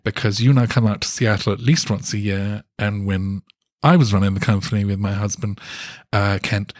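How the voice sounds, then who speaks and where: A man's voice: on the low side, moderate pace, dry recording. Thoughtful man telling stories, dry close mic. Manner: thoughtful, animated storytelling with hesitant restarts. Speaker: guest, dance critic. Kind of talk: relaxed conversational interview.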